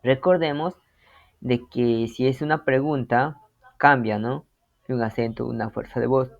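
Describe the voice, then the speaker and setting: A man's voice: medium pitch, measured pace, creaky, lo-fi sound. A middle-aged man teaching a language lesson, patiently explaining and reading short example phrases.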